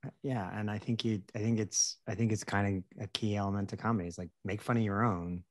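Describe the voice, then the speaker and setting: A middle-aged man co-hosting a podcast in casual chat, quiet and low-key. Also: fairly even intonation, fast, dry recording, studio quality. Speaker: podcast co-host. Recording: distant from the mic.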